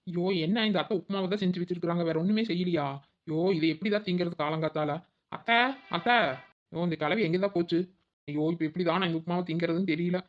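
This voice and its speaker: A woman's voice: fairly low pitch, fairly even intonation, very fast, highs cut off, lightly acted. A woman voicing a cheeky young daughter-in-law in a cartoon, who whines and talks back. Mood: whining. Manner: whiny and cheeky. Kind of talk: cartoon voice acting.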